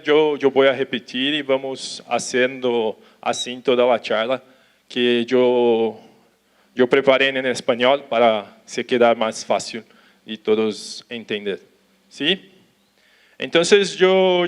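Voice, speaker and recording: Slow, clear-voiced Brazilian man presenting. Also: mid-range voice. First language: Portuguese. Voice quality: cannot roll the R. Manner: halting, mixing in Portuguese words, checking listeners follow. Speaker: animal welfare consultant giving a talk. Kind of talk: informal conference presentation.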